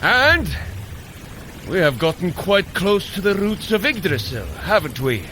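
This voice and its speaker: A slow, hearty thunder god. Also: male voice, sits high, sing-song, pushed and bright, slight background noise, exaggerated voice. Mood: uneasy. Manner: formal old-fashioned phrasing, slow and emphatic. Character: hearty, plain-spoken male thunder god, wary and courteous. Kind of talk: scripted audio drama acting.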